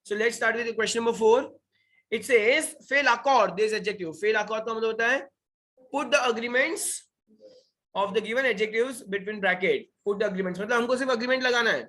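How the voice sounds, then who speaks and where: The speaker is a young man with an Indian accent teaching French revision online, asking students questions and restating key points in a mix of Hindi and English. His voice is high-pitched and a bit bright.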